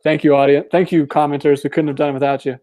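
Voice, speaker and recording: A man with a slightly high but warm, mellow voice chats in a relaxed, wry way and laughs easily. The sound is dry and close, with no room echo. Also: fast. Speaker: podcast co-host. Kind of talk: casual commentary chat.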